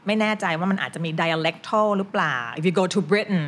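A woman's voice: fairly low pitch, a little hiss or hum. An older woman with a Thai accent, a retired English teacher chatting as a guest and switching between Thai and English. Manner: animated, switches quickly between languages. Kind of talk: casual conversation mixing Thai and English.

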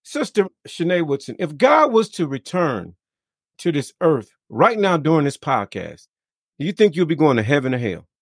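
A man hosting a faith podcast as a minister, talking in a casual, warm-hearted preacher way with lots of repeated amens and greetings. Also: fairly high pitch, moderate pace, no echo, clean studio sound. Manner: lively, repetitive, preacher-like affirmations. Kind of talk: casual interview.

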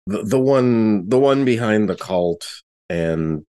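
A man with a fairly low voice plays a tabletop role-playing game. He improvises his character's actions and banter casually, in a halting and jokey manner. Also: animated, mellow.

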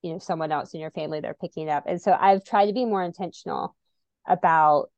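A woman's voice: low-pitched, quick pace, a little mellow, dry recording, highs cut off. A woman guest chatting casually about her family, with many "like" and "you know" fillers. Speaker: guest parent. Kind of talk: casual conversation.

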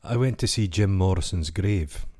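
Scottish man, middle-aged, very low voice; loose, jokey podcast co-host who wanders off topic. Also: moderate pace, warm tone. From Scotland. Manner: rambling, jokey, trails off into tangents. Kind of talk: casual comedic chat.

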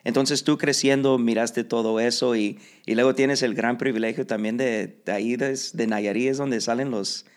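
A man's voice: medium pitch, moderate pace, few pauses, clean tone. Man, podcast host, casual, filler-heavy, code-switching. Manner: relaxed, many fillers, mixes Spanish and English. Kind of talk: casual bilingual interview.

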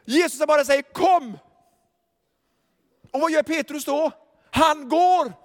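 A man preaching a sermon as pastor, emphatic, swinging from quiet asides to shouted declarations and chuckling often as he tells the story. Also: very high-pitched. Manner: chuckles often while telling. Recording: long reverb of a large hall.

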